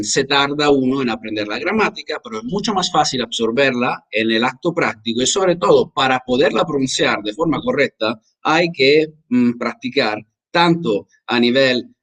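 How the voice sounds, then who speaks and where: Lively male live-stream language teacher. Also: mid-range voice. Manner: animated, speaks straight to the chat viewers. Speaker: online English teacher.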